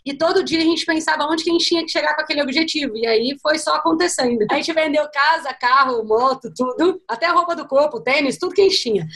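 A woman in her thirties with a high voice speaks on a video call from home. She is brisk and matter-of-fact, listing things one after another. Her voice comes through a laptop microphone. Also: a bit bright. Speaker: guest, travel blogger. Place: small home room. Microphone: laptop webcam on video call.

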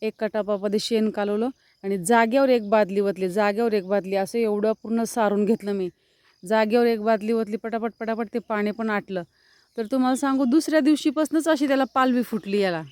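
A woman's voice: mid-range voice, fairly even intonation, a little fast, a little mellow, clear, resonant tone, no room sound. A woman vlogger, chatting casually as she walks around her farm showing trees and cattle. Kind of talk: casual walk-around vlog narration. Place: outdoors on a rural farm among trees and cattle.

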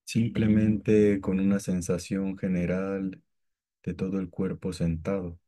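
Very slow, dark-voiced man guiding meditation. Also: deep voice. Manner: calm, gentle, soothing, with long pauses. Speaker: meditation guide. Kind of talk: guided meditation, scripted instruction.

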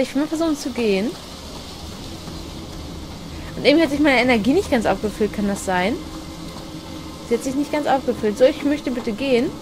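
A woman giving chatty, excitable commentary while playing a horror game, talking to herself and swearing now and then. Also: fairly high pitch, slight background noise. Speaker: let's play gamer.

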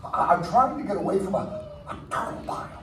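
A man's voice: high-pitched, animated, fairly quick, a little hiss or hum, voice pushed down. A man voicing an anxious, fretful male clownfish father who pleads frantically. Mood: frantic. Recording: roomy, distant mic, faint crowd.

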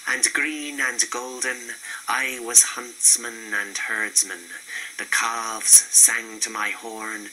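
A man reciting poetry in measured, declamatory phrases. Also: on the low side, pushed and bright, low-quality recording. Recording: faint hiss and background noise.

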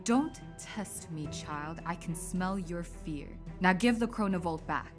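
A woman's voice: lowish voice, takes it slowly. A woman voicing a haughty, cruel female pony warlord in a comic dub, condescending and threatening. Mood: coldly menacing. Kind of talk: amateur animated comic dub acting. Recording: loud music behind the voice. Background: music.

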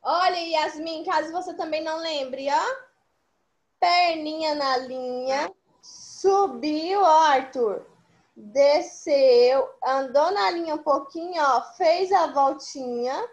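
Slow, patient high-voiced woman teacher. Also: rough recording. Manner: slow, patient, demonstrative letter tracing. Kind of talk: online class dictation. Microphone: video call.

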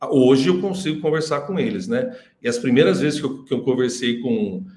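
A man's voice: mid-range voice, moderate pace, reverberant. A man, a singing teacher telling stories casually on a live stream, laughing often and acting out what others said. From Brazil. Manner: animated, laughing storyteller who acts out quotes.

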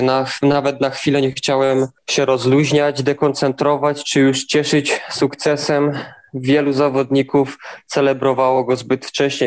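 A young man answering interview questions in an even, steady way, now and then restarting words. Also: mid-range voice. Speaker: interviewed athlete.

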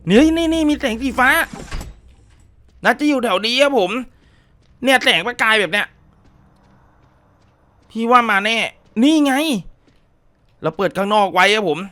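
A man's voice: extremely high pitch, lively intonation, measured pace, long pauses, bright, forceful tone. A man hosting a horror-game let's play, chatting politely with viewers and often exclaiming and laughing. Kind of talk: casual horror-game commentary.

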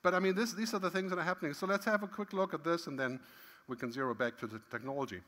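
A man's voice: on the high side, racing. Chatty keynote man in a big hall. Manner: conversational, frequent "right?" tags, lively emphatic swings. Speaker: keynote speaker. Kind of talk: conference keynote talk. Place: large conference hall stage. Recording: long hall reverb.

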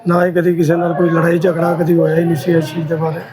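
A man's voice: fairly high pitch, completely flat delivery, quick pace. An older man with a Punjabi accent giving an account as an interviewee in a news interview. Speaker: victim's father, interviewee. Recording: busy crowd noise around.

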